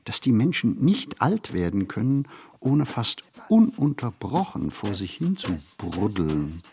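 An actor playing a reflective ageing writer in a literary radio play monologue, phrasing in a measured, deliberate way. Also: male voice, fairly low pitch, very animated, gravelly, mellow, slight background noise, heavily acted. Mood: wistful, wry. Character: reflective ageing male writer recalling a poor childhood.

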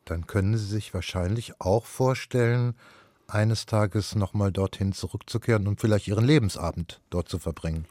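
A man hosting a radio interview, introducing his guest and asking questions in a measured, articulate way. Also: lowish voice, darkish tone, no room sound, studio quality. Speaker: radio host.

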